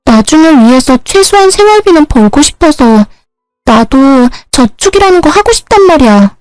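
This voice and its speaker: A woman voicing a younger sister, a young woman who pleads in a high, whiny voice. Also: very animated, normal speed, a little mellow, no room sound, soft background music, poor audio. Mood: pleading.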